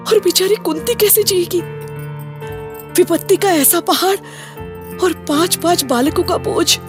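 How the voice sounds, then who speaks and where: Worried devoted queen, really high voice, music underneath. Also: a little slow. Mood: grieving. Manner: pleading, earnest theatrical delivery. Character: anxious devoted queen, wife of a blind king.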